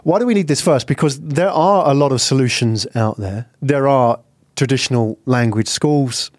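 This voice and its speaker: A man hosting an interview, leading with conversational, brisk questions. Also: medium pitch, no room sound, clean studio sound. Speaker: interviewer, host.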